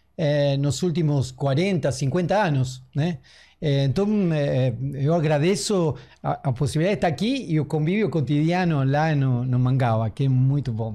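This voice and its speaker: A man's somewhat breathy voice at a fairly high pitch, moderate pace, ordinary pitch variation and very even loudness, in a very clean recording with a silent background. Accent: Argentine. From Argentina, Rosario. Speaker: philosophy professor. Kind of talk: interview conversation. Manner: hesitant, many fillers.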